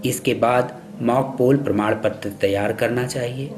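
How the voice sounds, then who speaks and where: A man reading scripted instructional narration for a training film in a formal, measured, instructive way. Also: medium pitch, steady tone. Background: background music.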